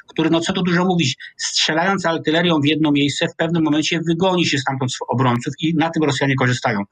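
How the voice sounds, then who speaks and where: A man in his sixties with a Polish accent, a military analyst explaining at a measured pace over a video call from a small home office. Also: fairly high pitch, a bit bright, slightly rough, dry recording. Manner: measured, explanatory, restarts mid-word. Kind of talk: analytical interview commentary. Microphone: video call webcam.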